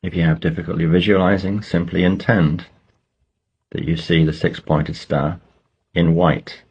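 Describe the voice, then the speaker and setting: A man leading a guided meditation, giving slow, measured instructions with pauses between phrases. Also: deep voice, level tone, a little mellow, husky.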